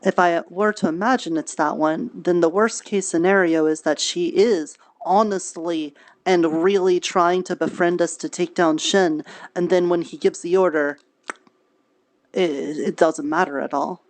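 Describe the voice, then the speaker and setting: A woman acting as a cautious female leader of a fantasy town, slightly low in pitch and very closely recorded. She is measured and firm, weighing things aloud in improvised online roleplay. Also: fairly even intonation, darkish tone, no room sound, natural voice. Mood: deliberating, serious. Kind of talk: improvised in-character roleplay dialogue.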